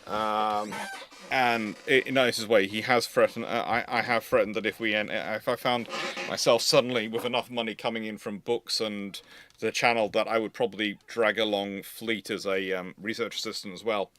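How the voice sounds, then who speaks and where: A man's voice: fairly low pitch, fairly even intonation, moderate pace, fairly bright tone, slight background noise. A man hosting a livestream, chatting casually in a rambling, digressive way. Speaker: live stream host.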